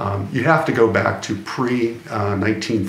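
Heard with audible room echo, the speaker uses an American accent at a very slow pace with ordinary pitch variation. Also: man. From rural Pennsylvania, US. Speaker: beard grooming video presenter; beard channel host. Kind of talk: casual talk to camera. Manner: hesitant, many fillers. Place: home room.

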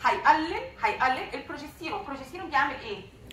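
A woman speaks very fast in a high voice with very wide pitch swings, amid audible room echo and light background noise. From Egypt. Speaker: medical lecturer. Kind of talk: lecture. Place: classroom. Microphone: microphone problem.

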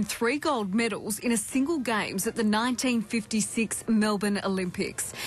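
A woman talks at a moderate pace with a fairly high pitch and ordinary pitch variation. Noticeable background noise is present. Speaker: TV news reporter. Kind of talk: TV news report.

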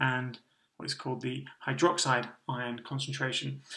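With a quiet background, a man talks at a moderate pace. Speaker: university lecturer. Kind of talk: lecture. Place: classroom.

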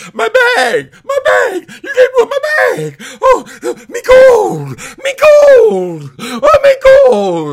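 The speech moves at a very slow pace. It is delivered in a put-on character voice. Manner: pleading.

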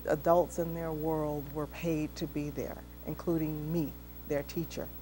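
A woman with an American accent at a moderate pace, over light background noise. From San Francisco, California. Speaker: talk show host and educator; talk show host, educator. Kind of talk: interview. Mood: warm, reflective, smiling. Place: studio. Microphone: lapel.

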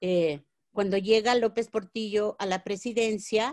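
A woman is speaking. The background is quiet. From Mexico. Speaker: historian. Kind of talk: lecture. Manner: halting, many fillers. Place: home room. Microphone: webcam.

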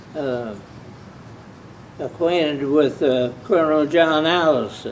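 A man with a fairly high voice and an American accent, very slow pace, ordinary pitch variation, light background noise. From United States. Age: 80s+. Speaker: war veteran. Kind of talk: interview answer. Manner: hesitant, many filler sounds. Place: office.

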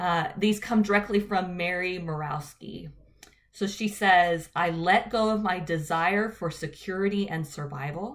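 A woman's warm-toned voice with ordinary pitch variation, a fairly slow pace and a quiet background. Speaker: church leader giving a devotional video. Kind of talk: guided meditation and prayer practice. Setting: home guest room, recorded video. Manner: calm, gentle, slow and soothing; warm, reflective, pastoral. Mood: calm, earnest, reassuring. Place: home room.

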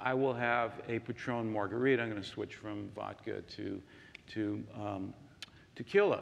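Light background noise sits under a man speaking with an American accent. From England. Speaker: restaurant wine director and educator; speaker. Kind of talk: panel discussion; conference panel talk, anecdote. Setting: stage with audience. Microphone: lapel.

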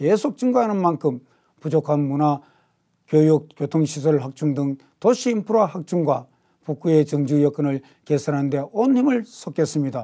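A man with a fairly high pitch and a dark, mellow tone, lively intonation, a moderate pace and a quiet background. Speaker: city council member. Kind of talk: acceptance speech. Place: studio. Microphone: lapel.

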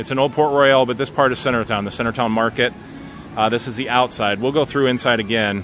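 Music plays in the background as a man speaks at a very fast pace with ordinary pitch variation, the sound dry with no echo. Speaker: live stream host. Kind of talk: casual live tour commentary. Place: street. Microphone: phone near.

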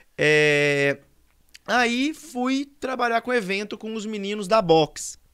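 Against a quiet background, a man speaks very slowly in a high, bright, sharp voice. His pitch swings very widely. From Minas Gerais, Brazil. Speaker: podcast guest, talent manager. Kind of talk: casual interview conversation. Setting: studio, live-streamed podcast. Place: studio. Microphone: studio mic.

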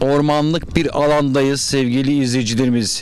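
A man at a fairly slow pace, the sound dry with no echo. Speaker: TV presenter. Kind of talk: TV field presentation. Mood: cheerful, joking. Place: open country. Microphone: handheld.

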